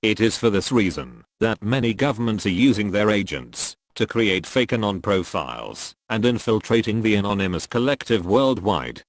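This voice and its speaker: A man reading a solemn, formal scripted warning as an anonymous spokesperson, his voice disguised to sound deep. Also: no echo. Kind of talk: scripted statement read aloud.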